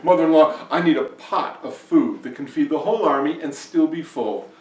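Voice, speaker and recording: A man's voice: normal speed, echoey room, far from the mic, lightly acted. A man voicing an anxious, pleading young husband in a folktale, with emphatic, stretched-out delivery. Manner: calls out in long high shouts, pleads emphatically.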